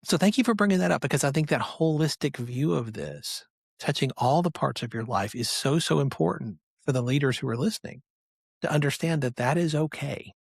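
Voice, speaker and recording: Man, gravelly voice, middle-aged host, earnest and affirming, dry sound. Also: fairly high pitch, animated, brisk, no echo. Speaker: podcast host. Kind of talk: conversational interview.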